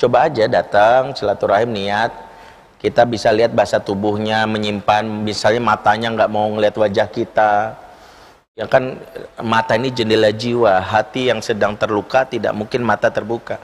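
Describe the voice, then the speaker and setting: A man's voice: on the low side, moderate pace. Man preaching in a reverberant hall. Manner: lively storytelling, acts out quoted voices. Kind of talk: sermon with told stories. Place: large mosque hall.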